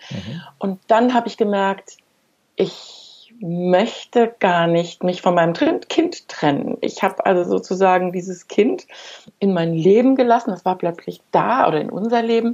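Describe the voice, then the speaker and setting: The pace is fairly slow. It is an unremarkable speaking voice. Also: woman, medium pitch for a woman, ordinary pitch variation. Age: 60s. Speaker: lawyer and mother of four. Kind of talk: interview.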